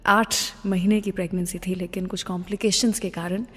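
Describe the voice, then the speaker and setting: A woman's voice: on the low side, fairly even intonation, a little fast, slightly rough, long reverb tail. A woman hosting a radio show in a conversational storytelling style, mixing English phrases into her Hindi. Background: music playing under the voice.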